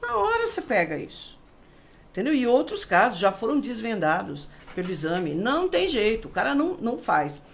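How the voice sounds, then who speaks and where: Middle-aged Brazilian woman, forensic expert guest; lively, gravelly delivery. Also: fairly high pitch, a little fast. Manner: animated, explanatory, acts out quoted speech. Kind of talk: casual interview talk.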